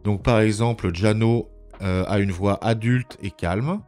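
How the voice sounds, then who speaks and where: Male tutorial presenter, lowish register, methodical and informal with hesitant pauses, music underneath. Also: darkish tone. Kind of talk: informal step-by-step screencast narration. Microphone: voice-over recorded on a microphone at a computer.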